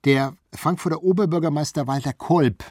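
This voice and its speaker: A man's voice: on the high side, normal speed, darkish tone, no room sound, studio quality. A man talking as a radio history expert, explaining archive recordings in a conversational interview style.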